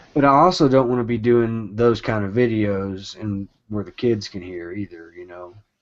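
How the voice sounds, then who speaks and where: Mumbling at a moderate pace with hardly any pauses, a man speaks at a fairly low pitch with ordinary pitch variation and big swings in loudness. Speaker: atheist YouTuber. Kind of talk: casual chat.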